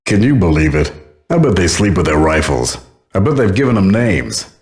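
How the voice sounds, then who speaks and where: A man's voice: low-pitched, big pitch swings, moderate pace, a little mellow. An actor playing a chatty, wry hired gunman in a video game, talking like an ordinary working stiff. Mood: amused. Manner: conversational, wry.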